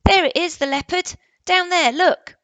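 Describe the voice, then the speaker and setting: A woman playing a breathless excited boy. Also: a little high, moderate pace, gravelly, no room sound, voice pushed up, heavily acted. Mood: excited shouting. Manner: breathless, eager shouting. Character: excited young boy hunting a leopard.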